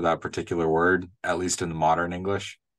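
The voice, with a Midwestern American accent, goes at a fairly quick pace in a monotone, flat intonation. Behind it, the background is quiet. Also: man. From US Midwest (Michigan). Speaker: pastor. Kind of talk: casual chat. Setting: video call. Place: office. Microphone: video call.

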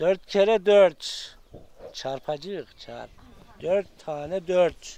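Very slow speech from a man with a high voice and ordinary pitch variation. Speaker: video interviewer. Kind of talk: casual interview. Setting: outdoors in a village.

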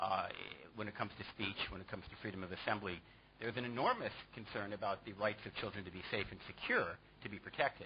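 Talking very fast with an American accent, a man with a fairly low pitch keeps his intonation fairly even but swings widely in loudness, with noticeable background noise behind him. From United States. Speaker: panelist, former sociologist. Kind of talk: panel discussion. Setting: conference room with audience.

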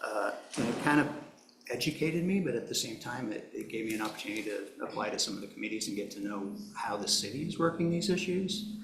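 A man speaks at a very fast pace with very wide pitch swings. Audible room echo and noticeable background noise are present. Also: medium pitch for a man. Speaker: city council candidate. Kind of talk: interview. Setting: video call.

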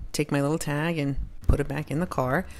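The voice belongs to a woman. It sits very deep and low. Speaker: beach vlogger. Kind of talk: casual vlog chat. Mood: cheerful, relaxed. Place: beach. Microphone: phone near.

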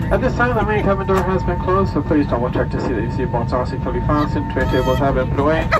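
A man talking at a very fast pace over music in the background. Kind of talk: safety announcement. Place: plane.

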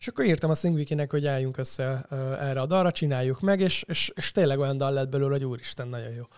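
A man talks at a very fast pace in a fairly high pitch with ordinary pitch variation. The background is quiet. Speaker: pop musician; podcast guest. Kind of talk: casual interview. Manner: frequent distinctive laughter. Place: studio. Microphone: studio mic.

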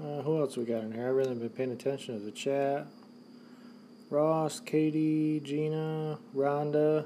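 A soft-spoken man talks at a moderate pace. His fairly high pitch shows ordinary variation. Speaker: lottery scratch-off streamer. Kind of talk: live stream commentary. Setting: home live stream at night.

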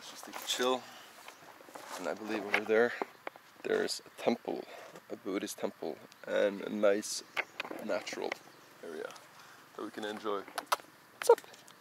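A man talks at a moderate pace, leaving long, frequent pauses and swinging widely in loudness. The sound is dry with no echo, and there is noticeable background noise. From Norway. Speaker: travel vlogger. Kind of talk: casual vlog narration. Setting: outdoors. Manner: animated.

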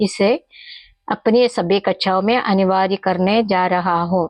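This woman has an ordinary speaking voice. Her pitch is medium and her intonation fairly even. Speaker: Hindi language teacher on video channel. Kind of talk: tutorial. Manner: repetitive, explanatory pace.

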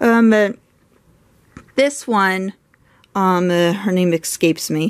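A woman speaks very slowly with ordinary pitch variation. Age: 20s. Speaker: YouTuber. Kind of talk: casual show-and-tell. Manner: halting, many fillers. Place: home room. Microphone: phone near.

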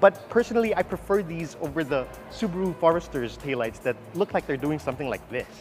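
Faint music sits in the background. Over it, a man talks fairly quickly. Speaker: car reviewer. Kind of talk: car review presentation. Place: hall.

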